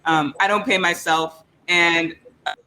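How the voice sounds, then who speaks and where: A young man chatting casually as a panelist, in a halting, informal, self-effacing way. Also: on the high side, fairly even intonation, crowd noise. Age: young adult. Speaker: audio drama creator on a panel. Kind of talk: casual chat.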